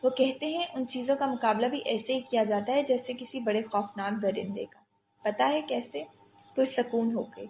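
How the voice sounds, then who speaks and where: A woman voicing a calm, commanding young male army captain who steadily coaxes a frightened child, on dull lo-fi audio. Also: a little high, vocal fry, a little hiss or hum. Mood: coaxing. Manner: steady, coaxing, talks a frightened child through danger.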